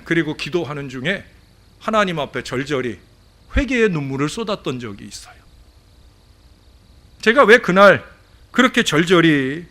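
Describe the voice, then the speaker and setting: A man preaching an earnest sermon as pastor in a church, moving between hushed and emphatic. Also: fairly high pitch. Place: church sanctuary.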